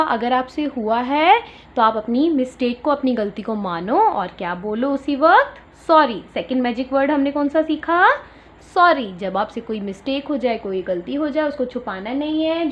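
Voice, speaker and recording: An Indian woman teaching young children in an online class, slowly explaining each English phrase in Hindi in a coaxing way. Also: high voice. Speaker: primary school teacher. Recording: dull lo-fi home recording with faint noise.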